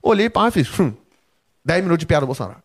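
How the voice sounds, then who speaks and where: A man's voice: fairly high pitch, rapid-fire. A young man, a comedian guest on a podcast, telling anecdotes casually with lots of swearing. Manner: animated anecdotes, heavy swearing.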